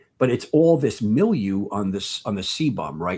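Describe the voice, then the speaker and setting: Lively intonation runs through this man's plain, everyday voice. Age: 60s. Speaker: physician presenting on testosterone therapy. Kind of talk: live presentation. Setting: livestream. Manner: casual, repetitive with false starts.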